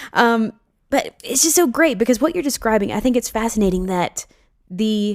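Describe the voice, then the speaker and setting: Speaking at a moderate pace with an American accent, a woman uses lively intonation and a fairly high pitch. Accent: Southern US, comes out in the South. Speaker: podcast co-host. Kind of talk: casual chat.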